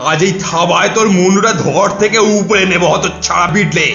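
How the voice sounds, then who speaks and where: A man voicing a gruff, blustering, exasperated father of a small boy in a cartoon. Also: high-pitched, brisk, lo-fi sound. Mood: furious threatening. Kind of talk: cartoon voice acting. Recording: roomy echo, faint music.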